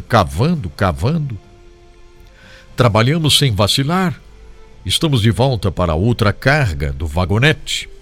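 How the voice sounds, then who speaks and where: A man giving an expressive, dramatic reading of a first-person memoir as a devotional reader, slowing for solemn moments. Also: medium pitch.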